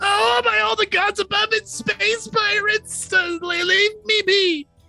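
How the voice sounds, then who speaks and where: A put-on character voice, shrill and extremely high, plays over faint music in the background. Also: fairly slow pace. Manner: panicked, terrified.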